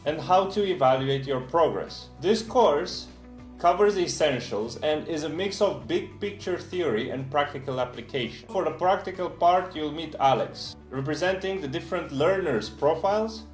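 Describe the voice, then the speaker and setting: A man delivers a persuasive course pitch in a fairly high voice. The sound is roomy, like a promo video, with soft guitar music playing underneath. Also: lively intonation, normal speed. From Romania. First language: Romanian. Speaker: language tutor. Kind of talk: scripted course promo narration.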